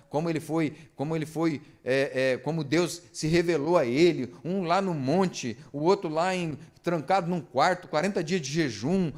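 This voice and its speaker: During a church service, a pastor whose voice is on the high side and a little mellow delivers a sermon, asking his congregation rhetorical questions.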